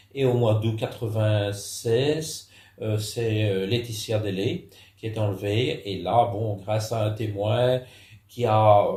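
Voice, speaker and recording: Somewhat breathy speech unfolds at a very slow pace with fairly even intonation. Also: man. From Belgium. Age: 70s. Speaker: retired gendarme and author. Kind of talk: interview. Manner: halting, many fillers.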